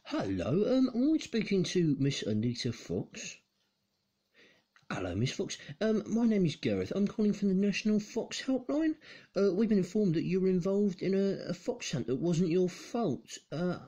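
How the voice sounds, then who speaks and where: A man playing a polite, hesitant comic character with a soft, husky voice and halting delivery. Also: high voice, sing-song, full character voice. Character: hesitant, polite male caller with a comic edge.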